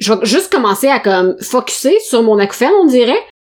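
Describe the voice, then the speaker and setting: Speaking at a moderate pace in a Quebec accent, a woman uses a high pitch with very wide pitch swings. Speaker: podcast co-host. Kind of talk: casual chat.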